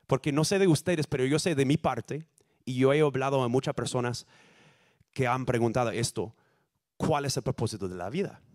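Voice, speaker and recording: A man from the United States, a native English speaker, preaching a sermon in halting, self-correcting Spanish with lively storytelling. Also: medium pitch. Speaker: guest preacher.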